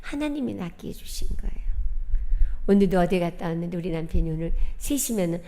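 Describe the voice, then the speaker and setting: A woman's voice: fairly low pitch, lively intonation, fairly quick, dark tone. A middle-aged woman giving a personal testimony at a church worship service, telling her story vividly and acting out the dialogue. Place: church sanctuary.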